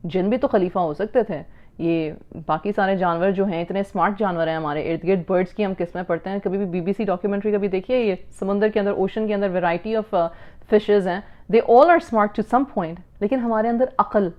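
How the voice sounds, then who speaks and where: A woman's voice: mid-range voice, moderate pace, dull audio. Earnest woman giving parenting advice. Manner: earnest, rambling lecturing tone. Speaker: parenting talk host. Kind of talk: casual live-stream advice talk.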